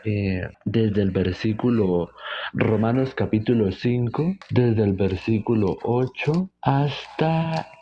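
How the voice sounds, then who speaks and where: A man leading an informal Bible study, measured, rephrasing as he points listeners to verses. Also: on the low side. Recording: dull lo-fi sound with faint noise.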